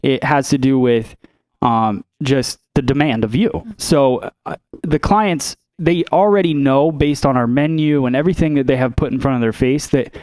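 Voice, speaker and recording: A man co-hosting a hairdressing podcast in a salon, talking bluntly and casually into a boom mic. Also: normal speed, a little mellow, dry recording. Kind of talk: casual chat. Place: salon studio. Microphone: studio mic on boom arm, headphones.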